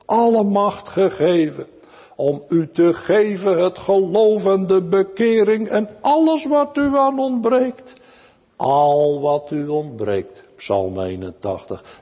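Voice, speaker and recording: A man preaches to his congregation with a husky, high voice. He pleads slowly and draws his lines out, his pitch climbing and falling widely. The sound is a dull recording with a long church echo. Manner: pleading, swells and drops dramatically. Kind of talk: Reformed sermon.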